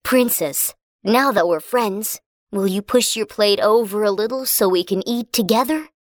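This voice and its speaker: A woman's voice: medium pitch, normal speed, no echo, clean studio sound, lightly acted. A woman voicing a polite, demanding frog. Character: polite greedy male frog.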